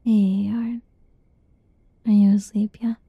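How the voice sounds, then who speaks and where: A young woman doing a whispered ASMR roleplay in a soft, teasing whisper, recorded close and dull. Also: mid-range voice, level tone, takes it slowly, slightly rough, dry recording.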